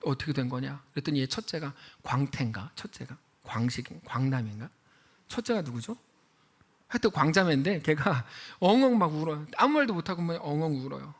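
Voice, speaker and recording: A male pastor preaching a lively sermon, acting out dialogue from a drama he watched. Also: a little high, a little fast. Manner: animated, acts out drama dialogue with raised voice.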